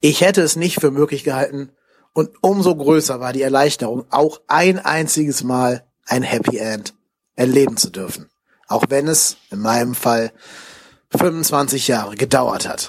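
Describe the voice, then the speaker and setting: Speaking at a fairly slow pace, a man with a plain, everyday voice keeps a fairly high pitch and ordinary pitch variation. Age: 30s. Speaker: football fan sending voice message. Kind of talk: recorded voice message.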